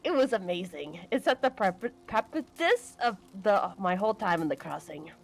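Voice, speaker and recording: A woman playing an excitable young adventurer in a western, telling campfire stories casually with a giggly, animated delivery. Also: medium pitch, moderate pace, creaky. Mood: amused reminiscing. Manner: giggly, animated storytelling with laughter breaking in. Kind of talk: casual in-character campfire storytelling.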